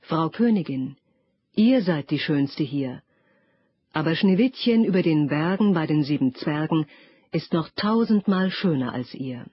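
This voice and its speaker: A woman voicing a solemn, truthful magic mirror in an audiobook fairy tale, speaking in slow, measured words. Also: low-pitched, expressive, slightly rough, no echo, highs cut off, full character voice.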